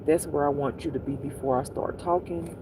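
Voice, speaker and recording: A livestream host talking in a soothing, unhurried, intimate pillow-talk way, repeating gentle instructions to relax. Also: mid-range voice, steady tone, noisy background.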